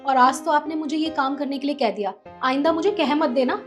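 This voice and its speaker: An actress playing a spiteful, tattling young sister-in-law who taunts sharply in a family drama. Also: female voice, sits high, fairly quick, music in the background, close to an everyday voice. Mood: taunting. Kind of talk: Hindi family drama acting.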